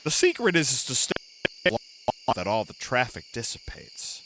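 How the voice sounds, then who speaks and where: A man with a raspy voice streaming a co-op farming game, chatting loosely and drifting into pop-culture tangents. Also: medium pitch, moderate pace. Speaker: co-op gaming streamer. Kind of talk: casual gameplay banter. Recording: steady background noise.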